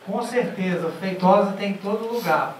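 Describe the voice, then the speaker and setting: A man giving a formal speech from a conference panel, halting at times with restarts, into a handheld mic. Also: sits high, a crowd in the background. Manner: halting, with restarts and filler sounds. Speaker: panel speaker. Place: large conference auditorium. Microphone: handheld mic, seated at a panel table. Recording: echoey hall from far off, faint noise.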